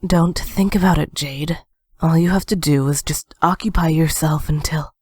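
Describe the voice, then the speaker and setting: A woman playing a cool, wry young ninja who is reluctantly friendly, in a low, mellow voice, in an amateur audio drama. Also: moderate pace, loud music behind the voice, natural voice. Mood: uneasy.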